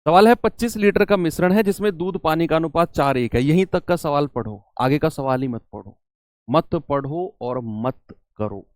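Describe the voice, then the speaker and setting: A fairly high-voiced male teacher walks students through a math problem, asking them question after question. His voice swings between loud and soft. The sound is dry and close to the mic. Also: animated, normal speed, no echo. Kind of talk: online exam-prep math lesson.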